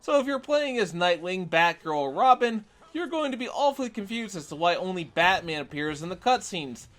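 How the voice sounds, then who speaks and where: A man's voice: sits high, big pitch swings, normal speed, fairly bright tone. A man reading a scripted video game review, opinionated, with wry sarcastic asides.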